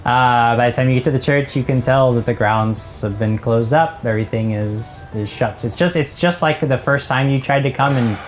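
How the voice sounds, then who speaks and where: A woman narrating a tabletop role-playing game as game master, in a relaxed and giggly way with plenty of fillers. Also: rumbling low, moderate pace, few pauses, faint music behind. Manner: laid-back, giggly narration with frequent fillers.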